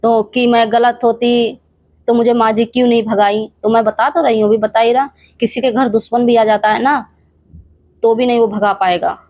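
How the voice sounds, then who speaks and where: A young woman addresses her camera in a heated reaction vlog, firing rhetorical questions at an absent rival and scolding her directly. Her voice sits a little high. The sound is dry and close, with no room around it. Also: steady tone, moderate pace, no echo, dull audio. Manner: rhetorical questions and repeated challenges. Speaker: reaction channel creator.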